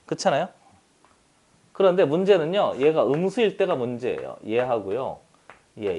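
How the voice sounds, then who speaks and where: A man's voice: mid-range voice, darkish tone, a little hiss or hum. A man teaching a math class, chatty and teasing, often asking the students for agreement. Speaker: math tutor. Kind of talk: classroom math lesson with banter.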